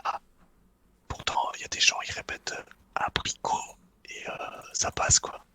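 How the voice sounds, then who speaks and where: Crisp, bright whispering man. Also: normal speed. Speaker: duo gaming partner. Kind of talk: whispered casual gaming chat. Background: computer keyboard typing.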